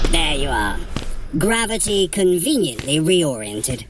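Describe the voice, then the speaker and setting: An actress playing a haughty, mischievous trickster god in an audio adventure, theatrical, arch and wry as they guide a runner. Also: female voice, on the low side, heavy background noise. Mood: smug. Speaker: voice actor guiding a running workout. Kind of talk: in-character audio adventure narration.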